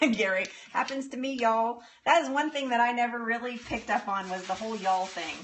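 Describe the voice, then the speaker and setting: A woman's fairly high, animated voice at a fairly quick pace, with ordinary pitch variation. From Texas. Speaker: cooking show host. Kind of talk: live cooking tutorial. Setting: home kitchen, live stream. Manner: chatty, animated.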